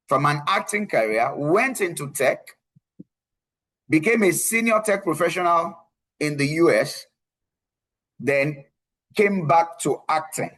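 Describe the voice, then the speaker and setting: Emphatic man, slightly high voice. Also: a bit bright, poor audio. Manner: emphatic, repeats key phrases, frequent tag "right?". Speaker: tech career coach presenting a webinar. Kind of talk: live online presentation with screen share.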